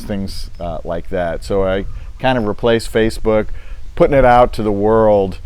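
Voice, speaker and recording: A man's voice: low-pitched, darkish tone. An older man, recently retired, talking casually to camera in a rambling, easygoing way with many fillers. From United States. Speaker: vlogger.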